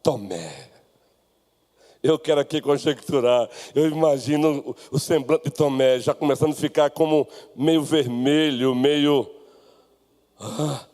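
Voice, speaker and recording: Fiery high-pitched Brazilian pastor preaching. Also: male voice, unhurried. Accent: Brazilian Portuguese. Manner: emphatic preaching, swings from soft asides to shouted exclamations; leads the congregation in reading aloud together. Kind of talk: expository sermon. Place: church sanctuary. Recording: long reverb of a church hall.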